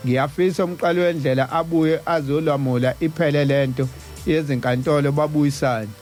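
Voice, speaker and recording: A South African man hosts a casual talk show from a studio. His voice sits a little high for a man, with music playing softly behind him. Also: fairly even intonation, a little fast. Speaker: radio host.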